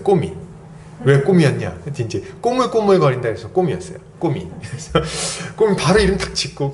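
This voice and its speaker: Male pastor, bright upper register, sermon delivery that tells personal stories and quizzes the pews. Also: fairly high pitch, slight background noise. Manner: lively, asks the congregation questions and prods with "eh?". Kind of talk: expository sermon.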